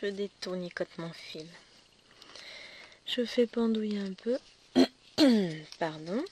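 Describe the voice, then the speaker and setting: A slightly hoarse woman chatting casually as she stitches, correcting herself as she goes and often dropping to a whisper. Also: mid-range voice, lively intonation, slow pace, darkish tone, a little hiss or hum. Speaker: cross-stitch vlogger. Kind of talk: casual chat while stitching.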